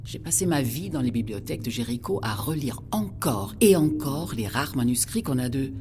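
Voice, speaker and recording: A woman's voice: lively intonation, normal speed, dark tone. A woman playing an inquisitive, wondering scholar from a far-future world in a scripted science-fiction audio drama. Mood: awed, excited. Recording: rumbling noise behind the voice.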